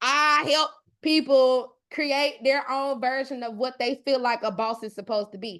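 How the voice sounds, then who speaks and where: Against a quiet background, a woman with a Mississippi accent speaks fairly slowly at a high pitch with ordinary pitch variation. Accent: Southern US (Mississippi). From US South, Greenville, Mississippi. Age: 30s. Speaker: online business coach. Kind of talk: live webinar class. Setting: video call. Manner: animated.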